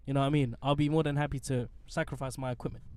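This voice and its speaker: A man's voice: medium pitch, rapid-fire, smooth, no room sound. A young man with a London accent hosting a casual, joking podcast from inside a parked car. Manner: animated, playful, joking. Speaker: podcast host.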